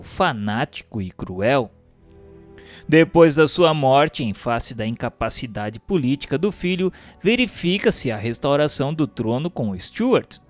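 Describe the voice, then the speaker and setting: A man reads a scripted historical narration in a formal, declamatory way. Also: a little high. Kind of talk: solemn scripted narration of a spiritist history text. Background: music.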